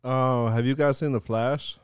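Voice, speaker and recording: A young man co-hosting a casual podcast, excitable and laughing. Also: medium pitch, unhurried, clear, resonant tone, dry recording, clean studio sound. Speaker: podcast co-host. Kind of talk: casual chat.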